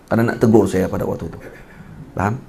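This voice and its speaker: A man with a Kedah Malay accent giving a sermon as a religious teacher, teaching with animated emphasis and slowly chanting classical Arabic text. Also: fairly low pitch, vocal fry, husky.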